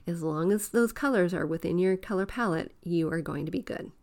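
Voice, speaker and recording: A woman's voice: fairly low pitch, fairly quick, darkish tone. A woman hosting a home decorating podcast, explaining design ideas step by step and repeating her key points. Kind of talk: instructive podcast talk.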